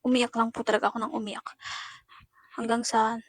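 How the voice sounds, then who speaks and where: A woman's voice: fairly high pitch, level tone, a little fast, dry recording. A woman giving an emotional first-person account of how she was treated, talking to viewers in uneven bursts. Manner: addresses viewers as "guys", talks in uneven bursts. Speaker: netizen recounting an incident.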